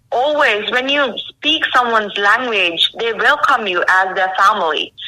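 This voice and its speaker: A woman speaks with a Sri Lankan accent at a fairly high pitch. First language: Sinhala. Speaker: journalist. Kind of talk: interview. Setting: internet radio show.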